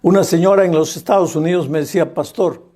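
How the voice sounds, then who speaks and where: A male pastor preaches in a mellow, darkly warm voice. He speaks earnestly and in measured phrases, with short pauses, and talks directly to the listener as you. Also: fairly high pitch, steady tone. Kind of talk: sermon.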